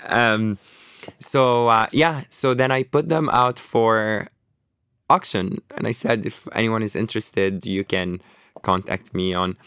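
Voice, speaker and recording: A man with a very low voice talks through his stories in a relaxed, rambling way, stopping and restarting often. The recording is dry and close, with no room sound. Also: slow, clean tone, no room sound. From Lebanon. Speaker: author guest. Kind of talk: casual interview conversation.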